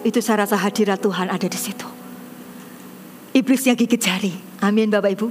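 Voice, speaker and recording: A woman pastor preaching a sermon, telling a counseling story with animated swings between loud emphasis and soft asides. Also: medium pitch, fairly quick, faint music behind.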